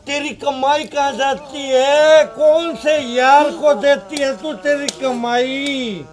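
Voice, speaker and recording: A man's voice: extremely high pitch, flat delivery. A man playing a drunken, bullying husband. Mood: angry. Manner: slurred, slow drunken singing and shouting insults. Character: abusive drunken husband, demanding money. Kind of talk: amateur short drama.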